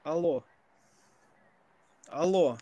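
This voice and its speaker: A man's voice: on the high side, very slow, mellow. A man from Ukraine calling into a live stream over an internet call, hesitant and repeating himself. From Lviv, Ukraine. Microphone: internet video call.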